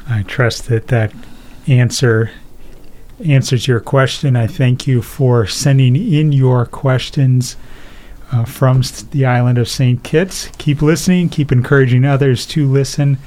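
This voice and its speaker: A man hosts a live call-in program on Christian radio. His voice is mellow and dark, and his delivery is measured and announcer-like, with the odd uh as he puts questions to a guest. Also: medium pitch, fairly even intonation.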